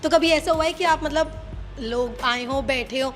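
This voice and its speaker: A young woman hosting a food show, interviewing guests eagerly and brightly with lots of affirmations. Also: high-pitched, normal speed. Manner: bubbly, eager, full of affirmations. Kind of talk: on-camera interview.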